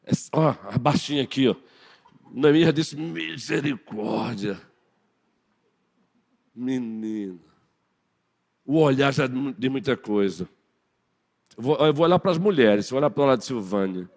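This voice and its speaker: A man's voice: medium pitch, animated, fairly quick, a little mellow. A man with a Brazilian Portuguese accent giving a Sunday morning sermon, playfully teasing his congregation. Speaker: pastor. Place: church sanctuary. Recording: long church hall reverb.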